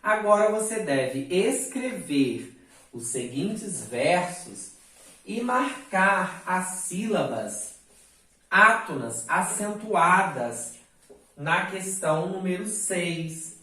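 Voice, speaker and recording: A male teacher from Brazil giving a recorded video lesson, dictating slowly and stressing syllables one by one. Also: high voice, expressive, pushed and bright. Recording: echoey room, mic at a distance.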